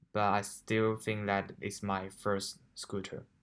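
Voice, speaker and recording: On a very clean recording with a silent background, a man with a Chinese accent speaks at a very slow pace with fairly low pitch. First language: Mandarin Chinese. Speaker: student podcaster. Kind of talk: scripted narration. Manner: halting.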